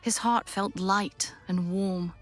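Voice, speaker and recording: A woman narrating a classic story for an audio drama in an expressive, measured storybook style. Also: medium pitch, soft background music, natural voice.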